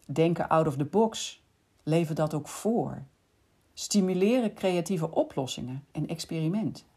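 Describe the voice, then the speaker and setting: A woman hosting a podcast, calmly explaining in scripted narration and speaking directly to the listener. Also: sits low, a little slow, husky. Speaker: podcast host.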